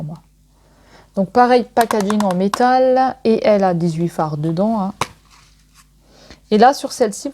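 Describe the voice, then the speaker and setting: A woman's voice: medium pitch, mellow. A woman casually showing makeup palettes in a haul video, talking in a chatty way full of little fillers. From France. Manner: chatty, frequent "hein" and "donc voilà" fillers. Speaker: beauty vlogger.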